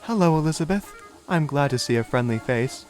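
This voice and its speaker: Young female engine, soft and hesitant, pitched up, from a male narrator. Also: expressive, fairly quick, faint music behind, natural voice. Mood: timid. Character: young female tank engine, proud and sensitive.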